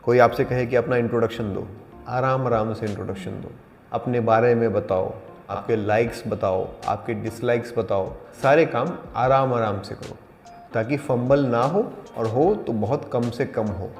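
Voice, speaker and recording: Calm man teaching an acting class. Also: medium pitch, creaky. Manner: calm, deliberate explaining, mixes in English terms. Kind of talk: spoken acting lesson. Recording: echoey hall with faint music.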